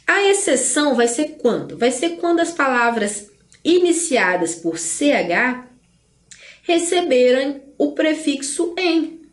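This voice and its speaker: A woman from Brazil teaching an exam-prep lesson in a slow, careful way. Her voice sits fairly high, and the room echoes noticeably. She spells words out and keeps asking "né?" to check that her students are following. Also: very animated. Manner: slow, deliberate explaining, frequent "né?" tags, spells out words.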